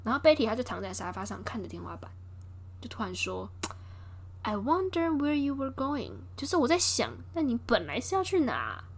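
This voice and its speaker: A woman's voice: mid-range voice, quick pace, slight background noise. A young woman hosting a casual chat, retelling a film scene by scene and acting out the characters' lines. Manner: lively, acts out quotes with voice shifts and laughs.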